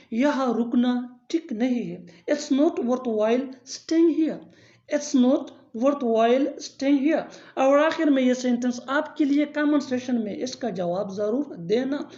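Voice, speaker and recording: A woman teaching English grammar in a scripted lesson, saying each English example slowly and then repeating it. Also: high voice, warm tone, roomy sound, muffled recording.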